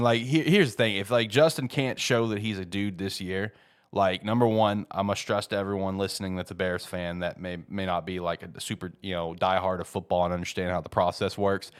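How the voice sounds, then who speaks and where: A low-pitched man talking football in a loose, rambling way. He sounds stuffed up from a head cold, and his talk is full of fillers and restarts. Now and then he breaks into worked-up, emphatic bursts. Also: a little fast, smooth. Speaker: podcast host. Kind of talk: casual sports talk.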